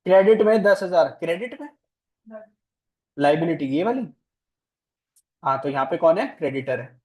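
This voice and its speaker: A man's voice: a little high, lively intonation, moderate pace, a little mellow. Playful man teaching class. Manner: playful, teasing, questions students. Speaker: commerce teacher. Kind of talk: classroom lecture.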